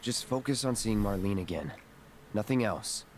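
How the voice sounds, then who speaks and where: An actor playing a stoic, aloof young mercenary in a video game, terse and deadpan. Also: male voice, on the low side, normal speed, close to an everyday voice. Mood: cool, reserved. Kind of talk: understated video game voice acting. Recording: loud game noise behind voice.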